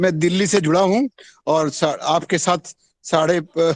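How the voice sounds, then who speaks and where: A man's high-pitched voice with fairly even intonation, dry, close sound with no echo, and music in the background. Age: 60s. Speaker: retired farmer and yoga class organizer. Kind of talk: online meeting self-introduction. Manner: halting.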